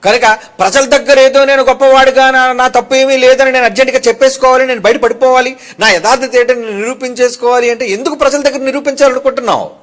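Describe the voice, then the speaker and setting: A male pastor delivers a sermon in a notably high voice. He preaches emphatically, firing rhetorical questions at the congregation and breaking in with quick asides to keep them with him. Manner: emphatic and animated.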